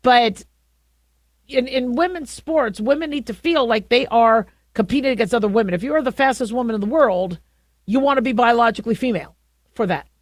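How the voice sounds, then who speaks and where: A middle-aged woman with a deep voice hosting a talk radio show, talking through her views in a conversational way with frequent restarts. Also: dry recording, studio quality. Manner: conversational, halting with many restarts. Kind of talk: opinionated talk radio monologue.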